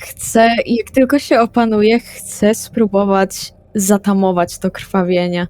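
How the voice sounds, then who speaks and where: A woman's voice: mid-range voice, slow, warm tone. A woman taking part in a tabletop role-playing game as a player, stating her actions and discussing rules. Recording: background music under the voice. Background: music.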